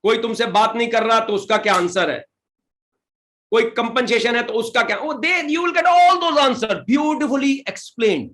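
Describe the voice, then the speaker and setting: A man with an Indian English accent giving a motivational seminar talk as a direct selling leader. He speaks slow, deliberate English, switches into rapid Hindi, and rallies his audience with questions. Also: very high-pitched, a bit bright.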